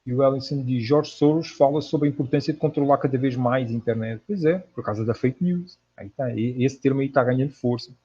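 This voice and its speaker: A Portuguese man with a Portuguese accent hosts a livestream as an online spiritual lecturer, casually answering viewers' comments. He speaks earnestly and a little fast with few pauses, repeating himself for emphasis. His mid-range voice is mellow and husky, and the audio is lo-fi.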